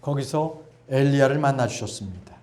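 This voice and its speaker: A middle-aged male pastor preaching an earnest sermon, sometimes softly voicing God's gentle words. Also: medium pitch, brisk. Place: church sanctuary. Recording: echoey church hall.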